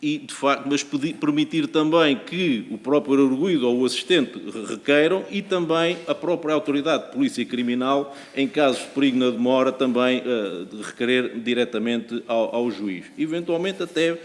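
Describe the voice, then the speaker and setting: A man's voice: medium pitch, normal speed, few pauses. A man with a European Portuguese accent, a law professor giving formal testimony at a parliamentary hearing, often repeating words as he searches for terms. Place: parliamentary committee room. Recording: echoey hearing room.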